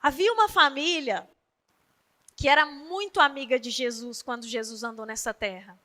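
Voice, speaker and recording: A woman's voice: sits high, moderate pace, bright, forceful tone, in a large hall. A woman preaching a sermon at a women's meeting in a church. She tells the story animatedly and acts out the quoted voices. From Brazil. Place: church hall.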